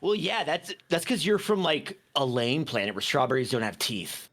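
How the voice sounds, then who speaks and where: A man's voice: fairly high pitch, very animated, moderate pace, a bit bright, full character voice. A man playing a brash, laid-back dude in an improvised comedy game fandub, slangy and casually mocking. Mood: casual, eager.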